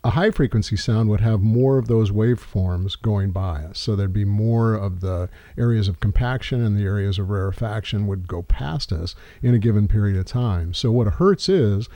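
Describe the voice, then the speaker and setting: Low, mellow man in his sixties explaining. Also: normal speed, hardly any pauses, dry recording, lo-fi sound. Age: 60s. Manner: rambling, repeats words while explaining. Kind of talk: casual explanatory chat.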